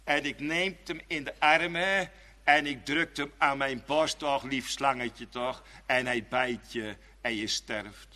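A man preaching a sermon, emphatic, dropping to low murmurs and then rising to loud stresses. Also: a little slow, in a large hall.

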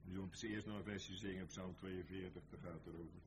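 A man preaching a sermon with fervour, swinging from hushed, drawn-out phrases to crying out, and repeating phrases for weight. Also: low voice, fairly even intonation, noisy background.

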